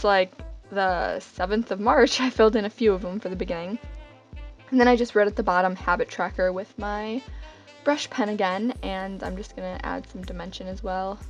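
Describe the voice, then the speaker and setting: Hoarse young woman rambling over soft music. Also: medium pitch. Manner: rambling, filler-heavy and self-deprecating. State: hoarse, getting over being sick. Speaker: bullet journal vlogger. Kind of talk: casual voice-over narration.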